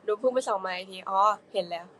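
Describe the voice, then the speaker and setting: A woman's voice: medium pitch, very fast, poor audio. A young woman hosting a casual livestream, chatting playfully with fans and reading their comments. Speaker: idol livestream host.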